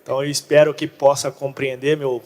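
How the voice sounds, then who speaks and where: A man's voice: mid-range voice, little pitch movement, brisk, a little mellow. A Brazilian man, a native Portuguese speaker, giving a conference presentation in Portunhol, a mix of Portuguese and Spanish. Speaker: conference speaker on pest control. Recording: echoey hall, long reverb.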